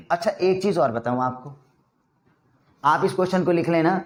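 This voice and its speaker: A man's voice: a little high, normal speed. A young man with an Indian accent giving a casual spoken lesson on job interviews, acting out both sides of the exchanges. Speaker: interview trainer.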